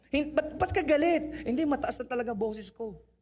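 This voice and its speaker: The man speaks in an animated tone. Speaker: pastor. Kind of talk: sermon.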